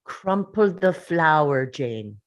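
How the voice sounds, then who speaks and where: A woman playing a stern, moralizing older Latina grandmother in a script table read, speaking solemnly and deliberately. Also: low-pitched, lively intonation.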